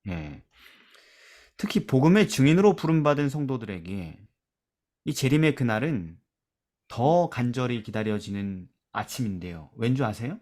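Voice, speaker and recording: A man leading a church Bible study discussion, asking questions and reading verses aloud, trailing off softly at the ends of phrases. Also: sing-song, moderate pace. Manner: asks questions and drops to a soft low voice at phrase ends; reads scripture aloud with emphasis.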